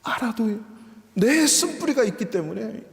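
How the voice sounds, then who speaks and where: A middle-aged man preaching a sermon as pastor, telling stories, acting out voices and dropping at times to a soft whisper. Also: high-pitched, expressive, unhurried, creaky. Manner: storytelling, acts out voices, drops to soft whispers. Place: church sanctuary. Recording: reverberant church hall.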